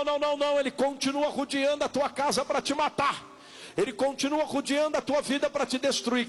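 High-voiced Brazilian preacher, insistent. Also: male voice, a bit bright. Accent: Brazilian Portuguese. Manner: insistent, repetitive exhortation with drawn-out calls. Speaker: pastor leading an altar call. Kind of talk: evangelical sermon, altar call and prayer.

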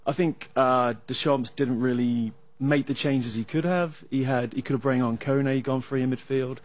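A man with an English accent, an analyst calmly breaking down soccer tactics with some hesitation fillers. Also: mid-range voice. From England. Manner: measured, analytical, with frequent uh fillers. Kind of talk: sports talk discussion.

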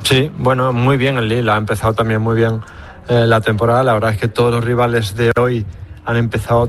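A man giving measured football analysis on a radio sports show, pausing often with fillers. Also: medium pitch. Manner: measured, frequent hesitations. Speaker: football pundit.

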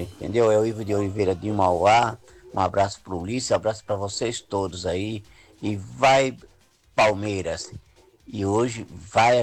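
A Brazilian man records an eager voice note to his favorite radio station. His voice sits a little lower than most men's. He speaks plainly, with a fan's enthusiasm. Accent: Brazilian Portuguese. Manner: enthusiastic fan greeting. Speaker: listener sending a voice message.

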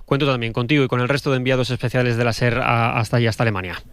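A man's voice: medium pitch, fairly even intonation, very fast, fairly bright tone, smooth, no room sound. A man hosting a radio news show, conversational with some hesitations. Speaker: radio host.

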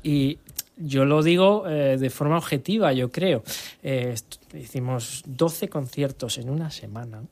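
A man's voice: medium pitch, measured pace, a little mellow. A man from Almería, a festival director, answering a radio host's questions with many restarts. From Almería, Spain. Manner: hesitant, many restarts, chatty. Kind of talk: radio interview.

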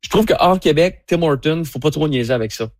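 A man's voice: fairly high pitch, lively intonation, a little fast, no room sound, clean studio sound. A man comedian in a casual podcast chat, talking loosely with hesitations and fillers. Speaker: comedian guest.

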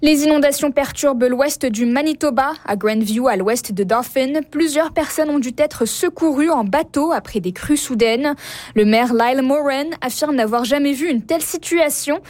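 Female radio newsreader, Canadian French accent, high voice, dry studio mic, formal measured read. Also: darkish tone, no room sound. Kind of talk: scripted news bulletin. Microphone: studio microphone.

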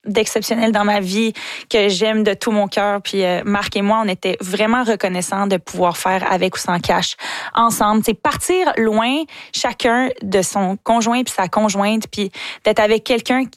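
A woman's voice: medium pitch, fairly even intonation, moderate pace, no room sound. Effusive Québécois woman, dry sound. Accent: Québécois French. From Quebec. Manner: chatty, effusive, many fillers and restarts. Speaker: singer and TV host guest. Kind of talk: casual interview answers.

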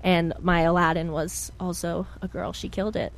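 Young woman, from Pennsylvania, lowish pitch, bubbly chatter. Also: little pitch movement, normal speed. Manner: bubbly, chatty, full of fillers. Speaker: guest musician. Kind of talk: casual interview.

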